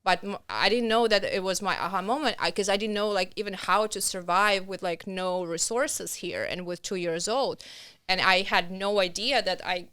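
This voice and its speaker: A woman in her thirties with a Russian accent, talking earnestly and haltingly as a podcast guest. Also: mid-range voice, a bit bright, clear, resonant tone, no echo. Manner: earnest, halting, with restarts and non-native grammar. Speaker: podcast guest, nonprofit founder. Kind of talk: conversational interview.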